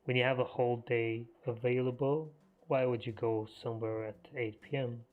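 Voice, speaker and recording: A man's voice: medium pitch, fairly even intonation. Man on a tinny phone-like line. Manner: halting, many fillers and restarts. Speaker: live trading stream host. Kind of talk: casual chat.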